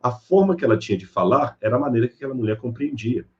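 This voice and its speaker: Talking fast at a medium pitch, a preacher works through a Bible lecture in sermon style, telling stories and animatedly voicing the people in them. The high frequencies are cut off in the recording.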